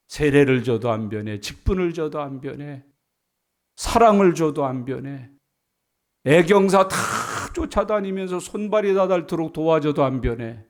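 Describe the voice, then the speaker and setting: A man preaching a sermon in a church, animated, often acting out the people he quotes and swinging between loud and soft. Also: on the high side. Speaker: pastor. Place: church sanctuary.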